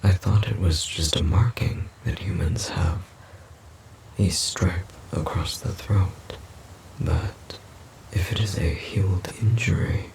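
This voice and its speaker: Audio roleplay forest demon male actor: slow, dark, breathy half-whisper, gentle and literal-minded, formal and hesitant. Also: deep voice, full character voice, low-quality recording. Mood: concerned, hesitant.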